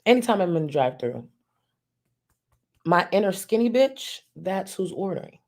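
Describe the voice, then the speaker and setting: A woman hosting a live reaction stream, talking bluntly and mockingly with a lot of profanity in her naturally deep voice. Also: very animated, moderate pace, darkish tone. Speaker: streamer, commentary host.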